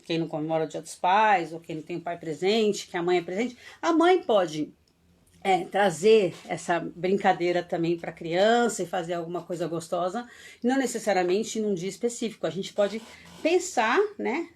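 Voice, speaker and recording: A woman from Brazil, an early childhood educator giving a live online talk, chatty and full of tag questions, growing animated as she leads the audience in games. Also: fairly low pitch, moderate pace.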